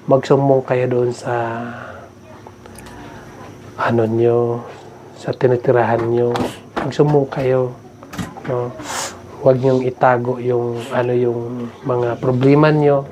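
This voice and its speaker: A man's voice: mid-range voice, little pitch movement, slow pace, pauses often, mellow, dull audio. Chatty man vlogging outdoors. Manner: chatty storytelling, tags "no?" often. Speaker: vlog host. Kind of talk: casual vlog talk to viewers. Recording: noisy outdoor ambience.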